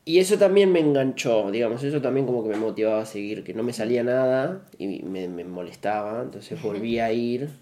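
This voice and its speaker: A man's voice: medium pitch, fairly quick, few pauses, warm tone. A man talking casually as an interviewee, reflective and a little self-deprecating. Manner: reflective, self-deprecating, uses "súper" and "o sea". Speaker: interviewee, dancer. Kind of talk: casual conversation.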